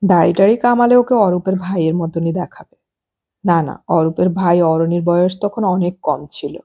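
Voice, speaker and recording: A woman narrating a novel as an audiobook in calm, even storytelling. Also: on the low side, moderate pace, breathy edge.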